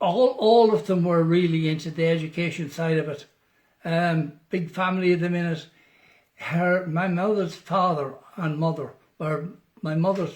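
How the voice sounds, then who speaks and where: A man speaks at a moderate pace in a high-pitched voice. His intonation stays fairly even. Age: 80s+. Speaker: interviewee on anniversary. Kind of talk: casual interview, storytelling. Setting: at home.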